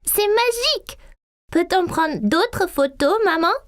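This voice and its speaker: A woman voicing a curious, excitable four-year-old boy in a dubbed cartoon, speaking with wide-eyed eagerness. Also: very high voice, slow pace, exaggerated voice. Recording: cartoon soundtrack with music beneath.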